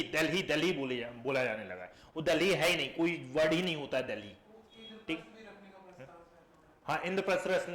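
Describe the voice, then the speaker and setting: A man teaching a live class, keeping it lively and putting questions to his students. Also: a little high. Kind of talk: classroom lecture. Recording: echoey classroom.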